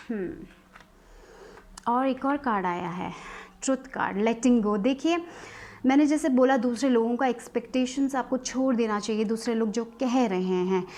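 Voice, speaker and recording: A woman tarot reader giving a casual, reassuring card reading to her viewers. She slips English words and phrases into her sentences and often adds small checks with her listeners. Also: fairly high pitch. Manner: reassuring and advising, with frequent filler checks.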